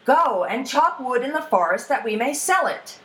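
A poor farmer father from a folktale voiced by a woman, stern and commanding. The speech is raised in pitch and animated, in an echoey space. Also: moderate pace. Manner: firm, commanding. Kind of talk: folktale storytelling.

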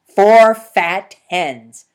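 A woman voicing a frightened male peasant farmer who pleads in a high, panicky voice. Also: big pitch swings, takes it slowly, heavily acted.

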